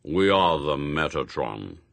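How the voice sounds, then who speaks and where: A man voicing a lofty, imperious heavenly spokesman for God in a storybook, speaking in a pompous, measured, formal way. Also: rumbling low, big pitch swings, vocal fry, fairly bright tone, no echo, voice pushed down, full character voice. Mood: solemn, patronising.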